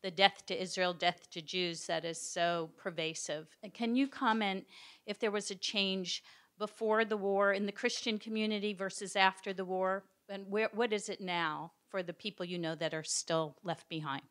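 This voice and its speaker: A woman's voice: mid-range voice, fairly even intonation, normal speed, a bit bright. A woman in a lecture audience asking a long question carefully and hesitantly, with many fillers. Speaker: audience member.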